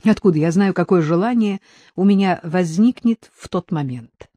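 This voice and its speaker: A woman's voice: lowish voice, normal speed, warm tone, dry recording, natural voice. A woman voicing a playful, self-assured male lawyer in an audiobook reading. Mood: teasing.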